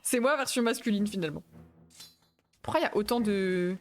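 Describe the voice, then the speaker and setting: A woman's voice: medium pitch, lively intonation, a little fast, soft background music. A young woman streamer chatting casually and laughing with panicky yelps while she plays a game. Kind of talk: casual gaming stream commentary.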